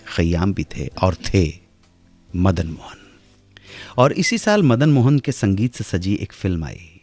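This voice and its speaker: A middle-aged man hosting a radio show, telling stories in a dramatic way that swings from hushed asides to loud exclamations. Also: fairly low pitch. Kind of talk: storytelling radio narration. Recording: radio broadcast with faint music underneath.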